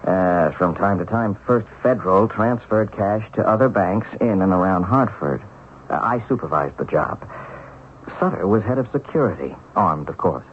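Low-voiced, hesitant husband in radio drama. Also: male voice, expressive. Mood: hesitant, recounting. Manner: hesitant, halting. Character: earnest ex-bank teller turned schoolteacher husband, hesitant, puzzled. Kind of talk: 1970s radio drama acting. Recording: dull, hissy 1970s radio broadcast.

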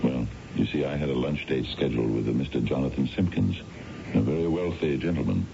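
An actor playing a suave, courtly financial adviser in a radio drama, with polished, formal phrasing and hesitant pauses. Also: male voice, noisy background. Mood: wry, confiding. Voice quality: very deep, gravelly voice. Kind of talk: 1970s radio drama acting. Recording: dull vintage radio, music behind.

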